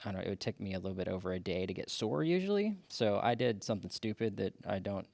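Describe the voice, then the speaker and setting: Gravelly man in his forties, halting. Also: fairly low pitch, sing-song, darkish tone, no echo. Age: 40s. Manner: halting, many restarts and fillers. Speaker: podcast guest. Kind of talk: casual interview chat.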